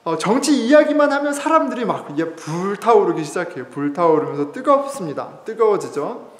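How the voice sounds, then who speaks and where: A man's voice: high voice, big pitch swings, a little fast. A male pastor giving a sermon in a church, telling stories in a conversational way with fillers and chuckles. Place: church sanctuary. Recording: echoey hall reverb.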